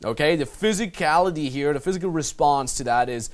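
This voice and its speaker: A man's voice: fairly high pitch, a little fast. A young Austrian man with an Austrian accent, a dating coach talking brashly and profanely while breaking down his street conversations, laughing often.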